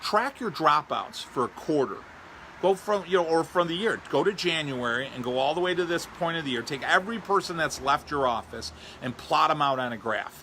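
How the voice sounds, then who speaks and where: Speaking at a fairly quick pace, a man with a fairly high pitch sounds animated, with lively intonation, over noticeable background noise. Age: 50s. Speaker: chiropractic business coach. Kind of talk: casual livestream talk to camera. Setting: outdoors on a porch. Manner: fast.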